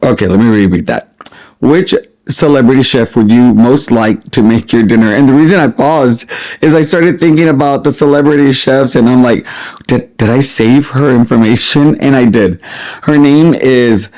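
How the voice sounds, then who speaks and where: A middle-aged man chatting casually as a vlogger, expressive and prone to wandering off on tangents as he answers questions. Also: mid-range voice, normal speed. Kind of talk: casual chat to camera, answering listed questions.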